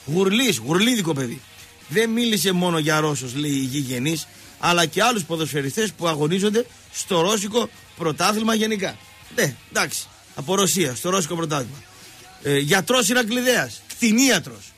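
A radio sports show host with a slightly high voice rambles about football, mocking and straying off-topic in animated storytelling. Soft music plays behind him, recorded on a radio studio microphone.

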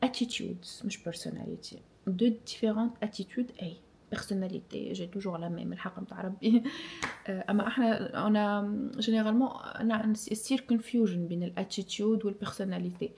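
A woman's voice: mid-range voice, fairly even intonation, quick pace, gravelly, a little mellow. A young woman with a Tunisian accent, chatting casually and reflectively as a vlogger, switching freely between Arabic, French and English as she answers viewers.

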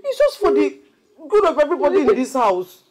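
A woman's voice: sits high, wildly swooping pitch, a little fast, a crowd in the background. An actress with a Nigerian accent playing an emphatic mother in a film drama, given to scolding and reassuring. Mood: soothing, apologetic. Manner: emphatic, repeats rhetorical questions and tag words.

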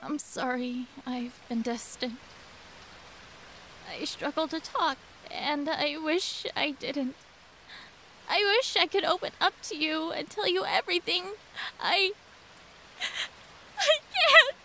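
A woman's voice: sits high, animated, slow pace, long pauses, pushed and bright, slight background noise, full character voice, poor audio. A woman playing a withdrawn, anguished young woman in an emotional dramatic style.

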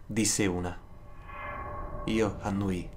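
Low-voiced man narrating horror. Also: steady tone, darkish tone, a little hiss or hum. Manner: dramatic, suspenseful pauses. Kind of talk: scripted first-person horror narration. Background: music.

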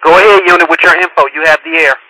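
A man's voice: fairly high pitch, fairly even intonation, very fast, sharp tone, dry recording. A man working as a police radio dispatcher, relaying and repeating reports in a clipped, procedural way over the radio. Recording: noisy police scanner radio recording.

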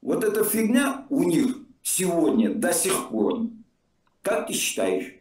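A man's voice: a little high, huge pitch swings, slow pace, darkish tone. An older man in a blunt, mocking casual argument over a video call, swearing freely. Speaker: video chat stranger. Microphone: remote video call audio. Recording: distant echoey video call.

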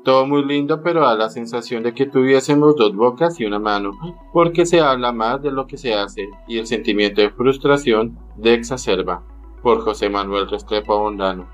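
A man giving an even, formal reading of an opinion column. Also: mid-range voice, normal speed, faint music behind. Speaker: column reader.

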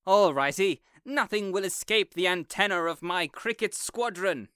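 A man's voice: high voice, animated, normal speed, fairly bright tone, clear, resonant tone, no echo, clean studio sound. A man playing a grandiose, eager superhero captain in an audio roleplay, pompous and heroic. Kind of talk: audio roleplay drama acting.

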